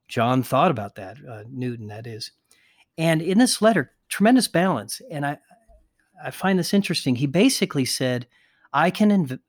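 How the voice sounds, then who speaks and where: A man's voice: mid-range voice, no echo, studio quality. Earnest man reading letter excerpts aloud. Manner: earnest, reads quotes aloud with pauses and restarts. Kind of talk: conversational discussion with quoted readings.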